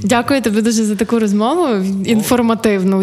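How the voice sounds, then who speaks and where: A woman speaks at a fairly quick pace while noticeable background noise carries on behind her. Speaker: podcast host. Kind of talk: interview.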